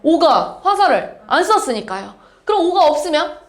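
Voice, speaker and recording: A woman math teacher lectures a class in a lively way and keeps checking that her students follow. Her voice sits high and swings up and down a lot. The sound is roomy, with faint noise in the background. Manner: lively, checks understanding with quick questions. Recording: echoey classroom.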